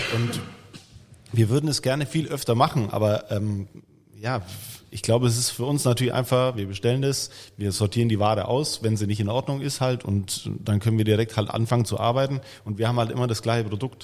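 An ordinary speaking voice from a man at a medium pitch, fairly quick in pace and fairly even in intonation. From Bavarian Swabia (Allgäu area), Germany. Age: 40s. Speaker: star chef. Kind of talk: casual chat.

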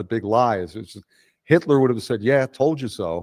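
A man with a normal speaking voice talks at a medium pitch with lively intonation. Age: 60s. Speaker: writer and commentator. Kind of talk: casual chat. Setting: video call.

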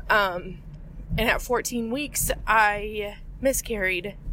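In an American accent, a woman speaks at a very slow pace with audible room echo. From US Midwest (Wisconsin). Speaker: listener leaving voicemail. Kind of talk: testimony. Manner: halting.

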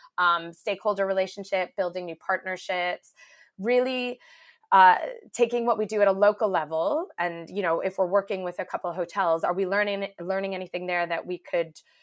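A woman's normal speaking voice in a Canadian accent, medium in pitch, with fairly even intonation and a fairly quick pace. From Canada. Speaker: nonprofit managing director. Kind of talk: interview answers.

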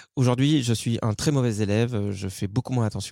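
A man speaks very fast in a dark, mellow tone, the sound dry and close with no echo on a very clean recording with a silent background. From rural France. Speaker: podcast host. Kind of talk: casual chat. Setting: in a caravan.

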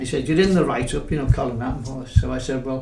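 Amid noticeable background noise, a man in a Liverpool accent speaks at a very fast pace and medium pitch with fairly even intonation. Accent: Liverpool (Scouse) English. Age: 80s+. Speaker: retired drummer, musician. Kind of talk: casual interview. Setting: home dining room.

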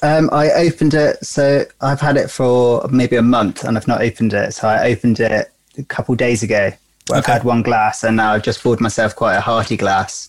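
Here is a plain, everyday voice: a man at medium pitch with ordinary pitch variation. He keeps a fairly quick pace and very even loudness. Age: 20s. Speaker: whisky blogger and YouTube reviewer. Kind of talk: casual chat.

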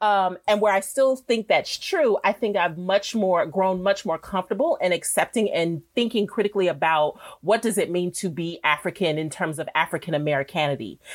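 Using an ordinary speaking voice, a woman talks at a moderate pace and medium pitch with ordinary pitch variation and hardly any pauses, on a very clean recording with a silent background. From Milwaukee, Wisconsin, US Midwest. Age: 40s. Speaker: sex educator and researcher. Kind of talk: podcast interview.

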